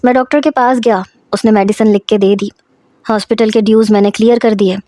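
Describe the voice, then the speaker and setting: A woman narrating a scripted story in a steady, even storytelling manner. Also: mid-range voice, no room sound.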